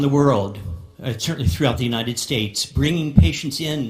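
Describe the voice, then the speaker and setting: A man's fairly high-pitched voice at a fairly quick pace, with ordinary pitch variation and audible room echo. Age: 70s. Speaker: physician. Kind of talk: conference talk. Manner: halting.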